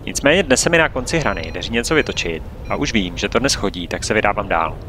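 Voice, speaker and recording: A man calmly narrating his own flight video in a steady, matter-of-fact voice-over. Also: fairly low pitch, noisy background. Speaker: paraglider pilot and vlogger.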